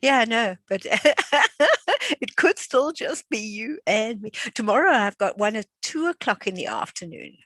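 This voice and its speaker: A woman's voice: a little high, big pitch swings, unhurried, a bit bright, no room sound. An older woman at home chatting as the instructor of an online class over a video call, friendly and full of fillers and restarts. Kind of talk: casual chat before an online class.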